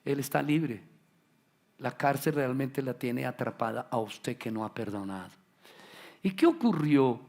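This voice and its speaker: A middle-aged man preaching a sermon as pastor, animated and acting out the voices he quotes. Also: medium pitch, measured pace, vocal fry.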